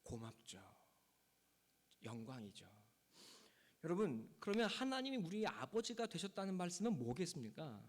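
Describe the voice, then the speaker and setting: Emphatic high-voiced pastor in reverberant church. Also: male voice, big pitch swings, normal speed, long pauses. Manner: emphatic preaching, voice rising and falling sharply. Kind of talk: sermon. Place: church sanctuary.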